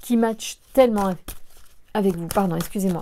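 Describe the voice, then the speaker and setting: A woman speaks at a moderate pace. Her fairly high voice has ordinary pitch variation. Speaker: tarot card reader. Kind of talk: tarot reading video. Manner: halting, many hesitations.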